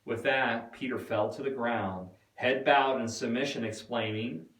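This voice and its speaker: A man giving a dramatic scripted narration with deliberate, expressive storytelling. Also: mid-range voice. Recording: echoey room, distant mic.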